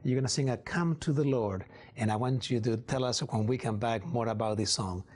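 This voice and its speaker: A man hosting a Christian music TV show who interviews his guest, often pausing on fillers and chiming in with affirmations. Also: mid-range voice, darkish tone. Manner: hesitant with fillers, frequent affirmations. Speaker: host.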